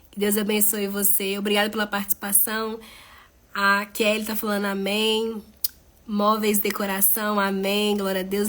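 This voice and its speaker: Woman preacher, fairly high voice, fervent live-stream prayer with a repeated refrain. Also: a bit bright. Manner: repeats "Pai" through every phrase. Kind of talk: warm closing blessing to viewers.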